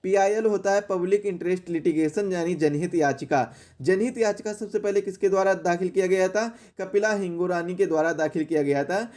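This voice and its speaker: A man's voice: high-pitched, a little fast, darkish tone. A man teaching an exam question-and-answer lesson in a didactic way, repeating key phrases for emphasis.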